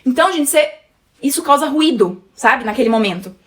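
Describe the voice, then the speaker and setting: Female sales trainer, Brazilian Portuguese accent, high chatty voice. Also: lively intonation, a little fast. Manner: chatty, many fillers, addresses viewers as gente. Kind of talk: casual teaching talk.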